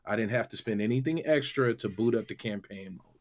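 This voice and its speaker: A man's voice: lowish voice, fairly quick. A man talking casually and giving his opinions as a panelist on a gaming show.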